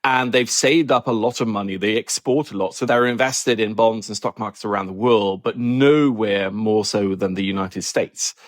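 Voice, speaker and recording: A man from Norway, a journalist interviewed as a guest, answering in a thoughtful, measured and wry way. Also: on the low side, no room sound, studio quality.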